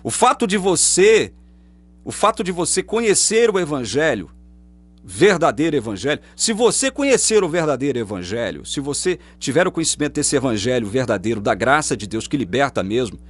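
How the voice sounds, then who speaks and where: Here the online preacher's mid-range voice takes on a sing-song lilt with a breathy edge, moving a little fast. With his Brazilian Portuguese accent, he fires rhetorical questions at the camera in a combative religious talk, recorded on a facing webcam or phone.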